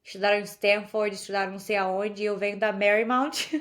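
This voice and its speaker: A woman's voice: mid-range voice, fairly even intonation, fairly quick, a bit bright. A young woman from Brazil chatting casually as a podcast guest, telling stories and laughing often. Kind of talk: casual conversation.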